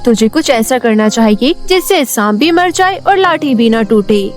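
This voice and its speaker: A woman's voice: fairly high pitch, lively intonation, moderate pace, faint music behind, close to an everyday voice. A woman voicing a sly teenage girl who gives wicked advice in a cartoon tale. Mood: conniving. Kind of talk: cartoon fairy-tale character acting.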